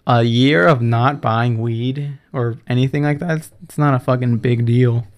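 A man's voice: mid-range voice, steady tone, moderate pace. Young man rambling casually, swearing freely. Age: 20s. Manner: rambling, profane, self-correcting, laughs often. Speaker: podcast host. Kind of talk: casual solo podcast monologue.

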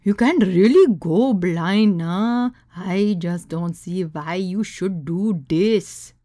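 A woman voicing a deadpan, disapproving Indian woman with a thick Indian accent and an emphatic, clipped way of talking. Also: fairly low pitch, takes it slowly, no room sound, clean studio sound. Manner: deadpan, serious, clipped insistent delivery.

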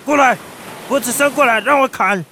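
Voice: mid-range voice, moderate pace, sharp tone, slight background noise, natural voice, poor audio. An actor voicing a hot-headed young tribal warrior in a radio drama, with a Taiwanese accent and a blunt, defiant, dramatic delivery. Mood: vengeful, threatening. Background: music.

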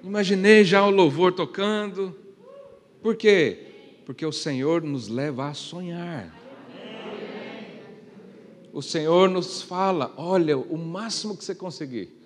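A man preaching a sermon, firing rhetorical questions and swinging from quiet to loud. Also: high-pitched, slow pace, pauses often. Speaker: pastor. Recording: long reverb of a church hall.

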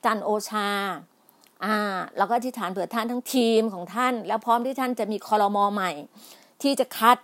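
A brisk, fairly bright, higher-pitched voice belongs to a middle-aged woman ranting about politics. She scolds emphatically and pleads in turn, repeating herself and restarting often, her polite particles giving way from pleading to indignation.

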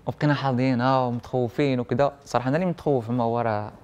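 A man's voice: mid-range voice, fairly even intonation, racing, a little mellow, clean tone, dull audio. A young man with a Moroccan Arabic accent telling his story casually, mixing in French words and quoting dialogue as he goes. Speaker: interview guest; printing and IT technician. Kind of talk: casual personal storytelling in conversation.

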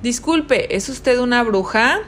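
A woman's voice: a little high, animated, slow pace. A woman voicing a small, lonely, shy male black cat who talks politely and timidly. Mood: timid, hopeful.

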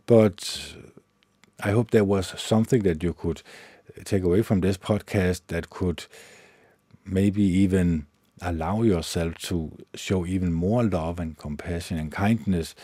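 A Danish-accented man hosting a solo meditation podcast, talking haltingly with many fillers and restarts. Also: deep voice, mellow, breathy edge, dry recording, clean studio sound. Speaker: podcast host.

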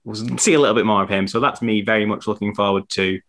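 A man's voice: on the low side, fairly even intonation, fast talker, fairly bright tone. A young man hosting a casual sports podcast over a video call, chatty and rambling, often correcting himself. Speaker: podcast host.

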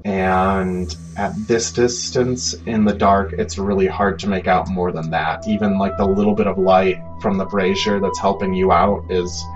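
A man working as game master, narrating a tabletop game in a halting, conversational way with many asides. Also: low voice, level tone. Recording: dull, muffled sound under prominent music.

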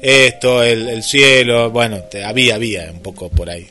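Chatty Argentine radio host, bright voice. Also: male voice, mid-range voice, fairly even intonation, moderate pace, faint music behind. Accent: Argentine Rioplatense. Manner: chatty, thinks aloud with fillers. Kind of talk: casual radio chat.

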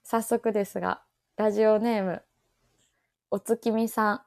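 A woman's voice: medium pitch, steady tone, unhurried, creaky, darkish tone. A woman in her twenties with a Kansai accent, co-hosting a casual podcast over a remote call and reading listener letters with frequent laughs. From Kansai, Japan. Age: 20s. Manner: chatty, laughs often. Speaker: podcast co-host.

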